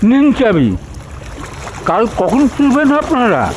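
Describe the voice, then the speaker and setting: A man's voice: very high voice, huge pitch swings, slow, a little hiss or hum, full character voice. A man playing a deferential, cautioning old village gardener in a dramatized audio story. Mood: obliging, cautious.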